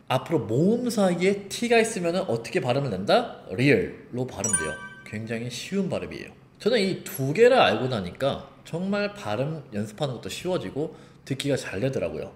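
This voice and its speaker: A man teaching an online pronunciation lesson, explaining and demonstrating sounds in a lively way. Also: mid-range voice, a little hiss or hum. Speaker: English teacher. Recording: roomy echo.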